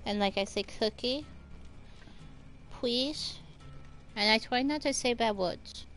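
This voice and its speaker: A woman's voice: a little high, fairly quick, a bit bright, faint music behind. A woman live-streaming a game, chatting easily with viewers and thanking them by name. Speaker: livestream gamer. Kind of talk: casual live-stream chat.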